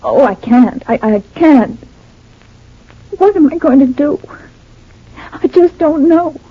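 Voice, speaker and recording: An actress playing an earnest, hesitant grown daughter, in old radio-drama style. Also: female voice, high-pitched, animated, slow. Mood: distressed. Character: troubled grown daughter of a family. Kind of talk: 1940s radio acting. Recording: tinny thin old radio recording.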